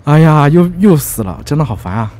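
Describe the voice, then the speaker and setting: A man giving lively, teasing commentary as he plays a video game, full of exclamations. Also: fairly high pitch, a little fast. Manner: excitable, teasing, frequent exclamations and laughs. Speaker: gaming YouTuber. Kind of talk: let's play commentary.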